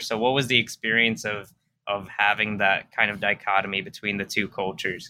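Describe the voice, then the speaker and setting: An ordinary speaking voice, a man's fairly low pitch carries fairly even intonation. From New York City. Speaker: podcast co-host, engineering PhD student. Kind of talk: podcast interview.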